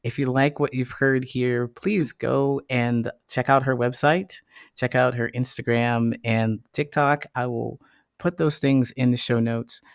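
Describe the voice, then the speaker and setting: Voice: medium pitch, steady tone, measured pace, gravelly, dry recording, clean studio sound. A podcast host chatting casually in an encouraging, upbeat and affirming manner. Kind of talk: casual interview chat.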